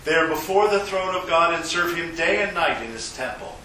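A man's voice: fairly high pitch, animated, bright, forceful tone, a little hiss or hum. Man reading liturgy in cathedral echo. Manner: slow, solemn, measured reading. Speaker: pastor leading worship. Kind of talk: reading liturgy and names of the departed. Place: large church sanctuary. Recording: distant mic in a cavernous echoing church, organ music.

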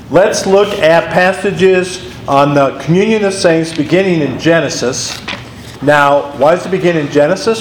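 A man recovering from laryngitis, leading an adult catechism class and calling on readers. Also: fairly high pitch. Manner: explanatory, calls on readers by name. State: hoarse from laryngitis. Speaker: pastor teaching a class. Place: church classroom. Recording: echoey room, faint noise.

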